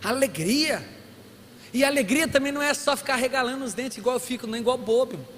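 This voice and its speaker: A man preaching a sermon as a pastor, animated and humorous, acting out bits of dialogue. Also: very high voice, fairly quick. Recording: long hall reverb, faint room noise.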